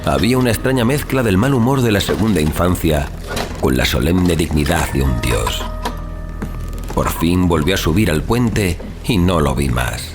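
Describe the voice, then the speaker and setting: A deep male voice narrates a gothic horror story over clearly audible music. His delivery is solemn and theatrical, with widely swinging intonation that suits old literary prose. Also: expressive, normal speed. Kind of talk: dramatic scripted audiobook narration of a horror tale. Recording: music under the voice.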